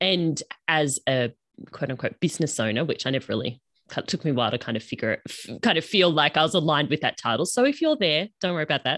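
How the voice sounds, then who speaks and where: A woman with an Australian accent speaks very fast in a very deep, low pitch, her intonation lively. The recording is very clean with a silent background, and the sound is dry and close with no echo. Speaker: dietitian and business coach. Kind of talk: casual interview.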